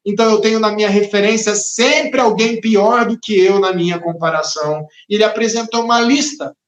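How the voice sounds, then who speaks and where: A man preaching a sermon as pastor, expressive and dramatic, sometimes acting out the voices of the people he talks about. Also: sits high, brisk, roomy sound.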